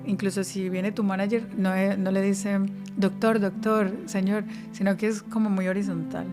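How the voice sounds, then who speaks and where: Woman guesting on a podcast, pretty flat delivery, explains things calmly, faint guitar music in the back. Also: medium pitch, moderate pace. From Spain. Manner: explanatory, evenly paced answers. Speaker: podcast guest, career advisor. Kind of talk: interview podcast.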